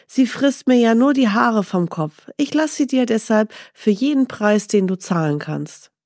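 A woman's voice: a little high, lively intonation, unhurried, a little mellow, no echo, clean studio sound, voice pushed up. A woman voicing a brusque male street trader in a storybook, calling out his wares. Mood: hawking. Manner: hawking, calling out.

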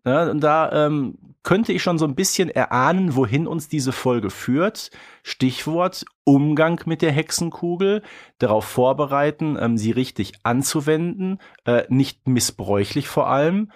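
A man's voice: on the high side, animated, a little slow. A man co-hosting a podcast, chatting off the cuff in a colloquial, pragmatic way with hesitant phrasing. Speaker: podcast co-host. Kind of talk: casual unscripted review chat.

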